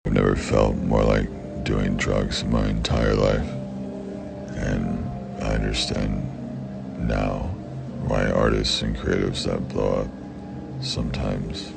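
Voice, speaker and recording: A young man with a very deep, raspy voice, answering fan questions in blunt, profane casual talk. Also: flat delivery, takes it slowly, over loud music. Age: young adult. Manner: blunt and profane, with frequent swearing. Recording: background noise.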